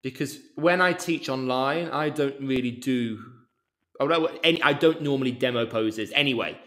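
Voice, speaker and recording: A man from England with a mild Birmingham accent, a yoga teacher chatting as a podcast guest, speaking deliberately and a little slowly. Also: mid-range voice, a bit bright. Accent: mild Birmingham English. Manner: deliberate, slowed speech for international listeners. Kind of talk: casual interview chat.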